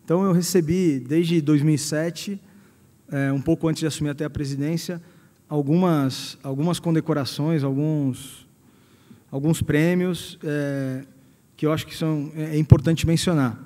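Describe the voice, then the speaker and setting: Male executive speaker, Brazilian accent, middle-aged; soft-edged, relaxed tone, halting delivery, long hall reverb. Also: on the high side. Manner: hesitant, repeating words as he searches. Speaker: company president giving a guest lecture. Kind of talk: personal career talk to an audience. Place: large hall at a university event.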